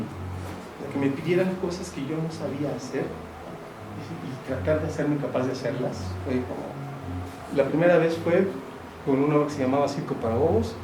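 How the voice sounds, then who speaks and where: A Mexican playwright talking casually about his work at a public event, relaxed and conversational, with plenty of fillers and slang. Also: a little high. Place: event hall. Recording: roomy, distant mic with noisy ambience.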